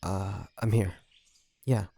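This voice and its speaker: A low-voiced, creaky male vampire, played by a man in an intimate audio roleplay. He is gentle and full of remorse, picking his words slowly and haltingly, with earnest pauses. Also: no room sound, full character voice. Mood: concerned, gentle.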